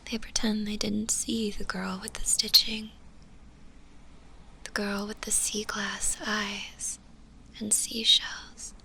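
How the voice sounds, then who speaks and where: A woman voicing a gentle, lonely stitched-together zombie girl in a whispered ASMR roleplay, with a soft breathy voice and tender, hesitant delivery. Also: medium pitch, flat delivery, full character voice. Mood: wistful, tender. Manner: slow, hesitant, tender delivery with long pauses.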